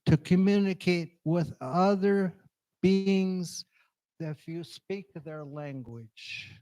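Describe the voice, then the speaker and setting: A man with a low voice telling a story at a church gathering, talking slowly and haltingly, searching for words after strokes. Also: mellow. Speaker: congregation member sharing a story. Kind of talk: halting personal testimony. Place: church hall. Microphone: handheld microphone.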